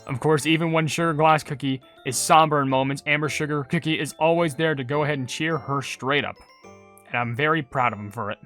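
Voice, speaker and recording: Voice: medium pitch, a little fast, fairly bright tone. A casual gaming host with a mid-range voice talks over background music. The delivery rambles, doubling back and self-correcting as the commentary goes along. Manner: rambling, filler-heavy, trailing off and correcting self. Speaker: video creator and host.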